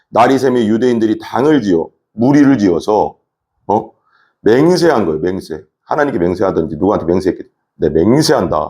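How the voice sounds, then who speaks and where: A man preaching a sermon as pastor, telling his story in an animated way. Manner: animated storytelling preacher, lively swings in pitch. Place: church.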